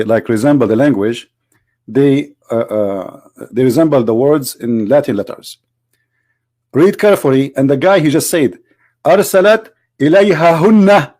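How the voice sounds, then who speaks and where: A man's voice: fairly high pitch, darkish tone, no room sound. Tired-voiced man, hesitant commentary. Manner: hesitant, many filler sounds and throat clearing. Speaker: video host. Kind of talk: casual commentary to camera.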